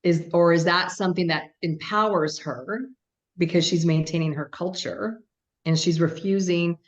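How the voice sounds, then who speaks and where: A woman's voice: lowish voice, steady tone, moderate pace, lo-fi sound. A woman business coach in a conversational coaching session, guiding with questions and often checking in with "right?". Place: video call.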